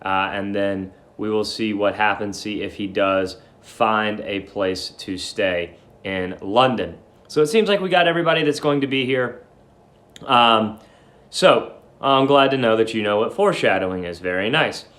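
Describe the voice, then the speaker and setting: A man's voice: lowish voice, normal speed, a bit bright. Man reading aloud in an echoey room. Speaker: teacher reading aloud to students. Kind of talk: live read-aloud lesson, dramatic story narration. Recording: roomy echo.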